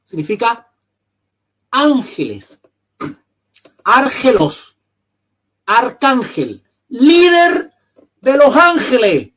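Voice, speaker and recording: A Chilean man teaching an online theology lecture, often repeating phrases, clearing his throat and putting questions to his students. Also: very high voice, fairly bright tone. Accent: Chilean Spanish.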